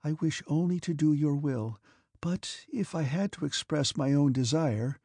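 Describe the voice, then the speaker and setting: A man reading the part of a timid young noblewoman, an anxious daughter speaking softly and hesitantly. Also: a little high, unhurried, husky, no echo, studio quality. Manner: soft, hesitant, near whisper. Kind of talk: audiobook character reading.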